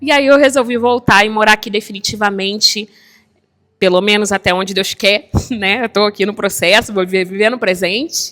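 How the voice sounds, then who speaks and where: A woman with a strong Carioca accent speaks at a moderate pace in a bright, sharp, animated tone. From Rio de Janeiro, Brazil. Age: 40s. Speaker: lay preacher. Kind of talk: sermon.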